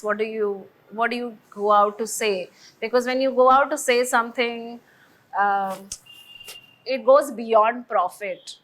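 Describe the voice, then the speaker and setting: A woman's voice: on the high side, a bit bright, poor audio. A woman with an Indian English accent speaking reflectively on a film panel, hesitant and full of fillers. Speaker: filmmaker on a panel. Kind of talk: casual roundtable discussion.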